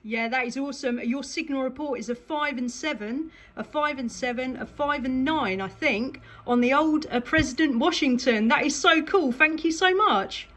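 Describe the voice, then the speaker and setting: A woman's voice: sits high, normal speed, few pauses, background noise. An enthusiastic woman, chatting casually as a CB radio operator. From England.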